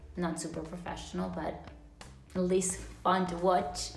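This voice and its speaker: A woman speaks with a fairly low pitch. Audible room echo can be heard. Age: 20s. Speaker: YouTuber. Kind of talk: casual vlog monologue. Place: home room.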